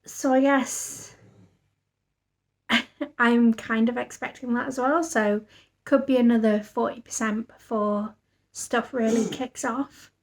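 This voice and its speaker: Slow-talking, tired woman vlogger. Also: a little high, steady tone. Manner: rambling, thinking aloud with fillers. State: tired after reading all night. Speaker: book vlogger. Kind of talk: casual vlog chat.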